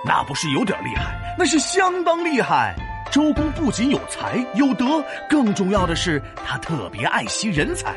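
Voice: medium pitch, wildly swooping pitch, normal speed, over music. An actor playing a boastful, learned five-thousand-year-old dragon who tells stories to children in a theatrical, teasing, explanatory way. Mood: enthusiastic storytelling. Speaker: storyteller and teacher. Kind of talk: animated children's educational audio drama storytelling.

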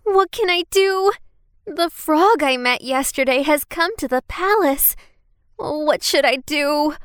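A woman's voice: sits high, lively intonation, takes it slowly, fairly bright tone, dry recording, studio quality, pitched above the performer's own voice, full character voice. A woman voicing a young, reluctant princess in a storybook reading, whiny and hesitant. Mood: frightened.

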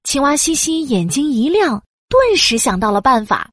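Expressive woman storyteller. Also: sits high, moderate pace, dry recording, clean studio sound. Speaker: narrator. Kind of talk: scripted children's story narration.

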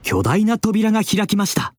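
Lively man narrating a children's story. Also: high voice, a little hiss or hum. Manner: expressive, drawn-out dramatic telling.

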